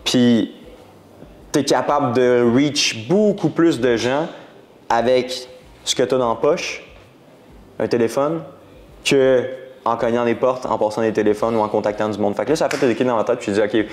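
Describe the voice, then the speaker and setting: A man's voice: mid-range voice, normal speed. A young man in his twenties with a Quebec French accent, telling his story in a casual interview, rambling and slangy, dropping English words. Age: 20s. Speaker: guest entrepreneur.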